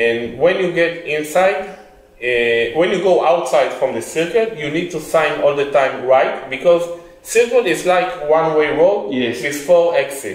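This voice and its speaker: With hardly any pauses, a man speaks fairly slowly with lively intonation at a fairly high pitch, amid audible room echo and noticeable background noise. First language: Hebrew. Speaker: driving instructor. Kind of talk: interview. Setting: studio. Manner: halting.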